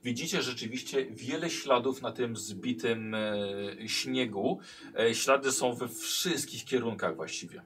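A man acting as game master, narrating a tabletop role-playing session with lively pacing and bursts of shouted urgency. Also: medium pitch, measured pace.

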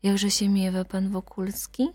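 A woman's voice: mid-range voice, monotone, a little slow, a little mellow, close to an everyday voice. A woman reading a sly gossiping shopkeeper. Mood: insinuating. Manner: sly, insinuating.

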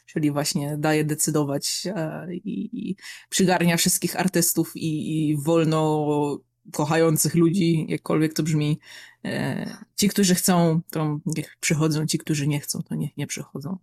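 A woman's voice: low-pitched, fairly even intonation, measured pace, creaky, a little mellow. A woman, a tabletop player, talking playfully about her character's fate in casual chat. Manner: playful, lightly joking.

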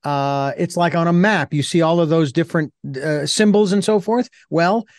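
A man hosting an interview program, his voice a bit higher than most men's and recorded dry and close. He asks curious questions and stumbles over his words as he starts them. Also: moderate pace, no echo. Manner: curious, stammering restarts. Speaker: radio show host.

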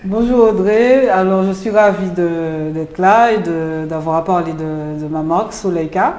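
A woman's voice: lowish voice, measured pace, a little mellow. A woman from Martinique, a jewelry designer, answering interview questions in a hesitant way with many filler sounds. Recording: roomy echo.

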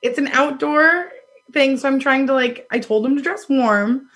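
A woman in her thirties with a loud voice, telling a dating story in casual chat, animated and laughing often. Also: high-pitched, normal speed. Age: 30s. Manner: animated, laughs often, acts out quoted lines.

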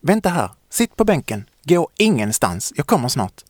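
A man's voice: on the high side, big pitch swings, no echo, studio quality, voice pushed up. Man doing a bossy, caring little kid. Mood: urgent. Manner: pleading, urgent commands.

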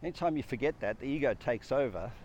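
A man's voice: medium pitch, lively intonation, quick pace, darkish tone, slight background noise. A man giving an earnest, reflective talk on personal growth, stacking up lists of questions and repeating phrases.

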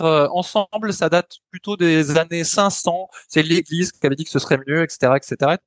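A man's voice: high voice, no echo. A man co-hosting a podcast, explaining in a casual chatty way with many hesitant fillers. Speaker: podcast co-host.

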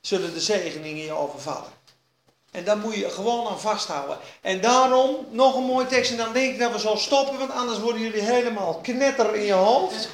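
Guy preaching a sermon, high voice, punchy and repetitive, echoey hall with faint noise. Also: a little fast. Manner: emphatic, repeats key phrases, drops to quiet asides. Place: evening church meeting.

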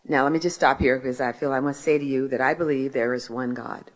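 A woman's voice: steady tone, fairly quick. A woman in her sixties from Philadelphia, sharing a faith testimony with an audience, telling stories and asking and answering her own questions. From Philadelphia, United States. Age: 60s. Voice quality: deep voice. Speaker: author and speaker.

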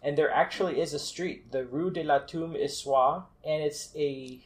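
A man's voice: a little high, normal speed. Laughing, enthusiastic male podcast co-host. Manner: laughs often, enthusiastic storyteller. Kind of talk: casual podcast chat.

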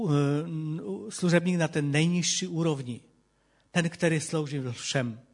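A male preacher gives a sermon in a church hall, reading scripture and explaining it. He speaks earnestly and emphatically, repeating phrases to stress them, in a somewhat high voice for a man. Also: a little mellow.

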